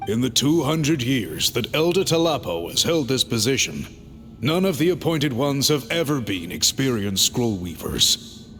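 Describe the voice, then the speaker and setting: Calm scholarly tribal chief. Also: male voice, medium pitch, background noise. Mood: thoughtful. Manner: measured, formal, polite and explanatory. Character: scholarly male tribal chief, calm, formal, reform-minded. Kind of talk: game cutscene voice acting.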